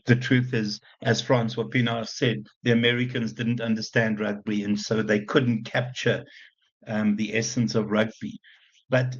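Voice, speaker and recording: A man from South Africa with an Afrikaans accent, giving a chatty, animated university lecture with lots of repeated restarts. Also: medium pitch. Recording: muffled lecture recording.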